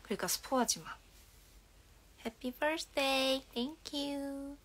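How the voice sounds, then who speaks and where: A woman in her twenties speaks in a high voice with fairly even intonation and an extremely slow pace. She hosts an idol livestream from a dim bedroom, holding her phone at arm's length, casually reading comments aloud in a Korean regional dialect. Soft-spoken, she keeps slipping into whispers and giggles.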